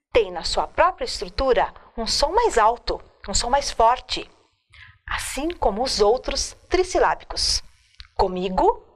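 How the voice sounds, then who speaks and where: A woman teacher giving a recorded grammar lesson, slowly and deliberately listing examples one by one at a board. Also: a little high. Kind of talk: video lecture on grammar.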